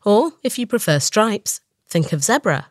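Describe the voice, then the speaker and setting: A woman voicing an impatient hunter from a storybook, speaking in a brisk, coaxing way. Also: medium pitch, sing-song, no echo, clean studio sound. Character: impatient hunter man, the leopard's friend.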